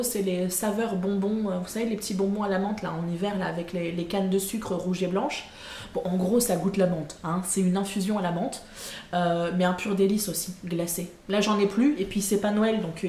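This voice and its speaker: A chatty woman vlogging from home, talking straight to the camera at a middling pitch. She meanders and corrects herself often, leaning on plenty of fillers. Her voice rings a little in an echoey room over a faint background hum. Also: warm tone. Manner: chatty, hesitant, frequent fillers and self-corrections. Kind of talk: casual monthly vlog chat.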